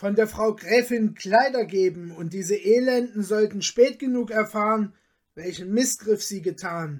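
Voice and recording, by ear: Natural-voiced reading aloud over a quiet background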